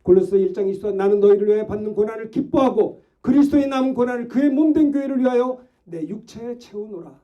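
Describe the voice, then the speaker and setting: A middle-aged male pastor preaching a fervent Sunday sermon, shouting and exhorting with rhetorical questions. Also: high voice, animated, quick pace, few pauses, highs cut off.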